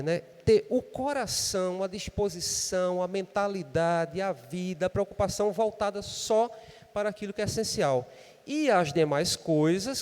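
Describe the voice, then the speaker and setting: A Brazilian Portuguese-accented man gives a conversational sermon in a church, regularly closing his lines with "né?" as a question. His voice sits high and sounds darkish, with a big-room quality.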